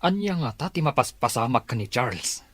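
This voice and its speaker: A woman's voice: rumbling low, big pitch swings, fairly quick, slightly rough, no room sound, full character voice. A woman playing a defensive company employee in an Ilocano audio drama. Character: defensive company employee accused over a bank account.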